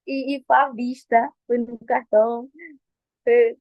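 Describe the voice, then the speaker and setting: A young woman giving a candid, lively testimony in an interview, often restarting her sentences. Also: a little high, slow, no echo. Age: young adult. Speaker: interviewee, book colporteur. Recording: dull lo-fi recording.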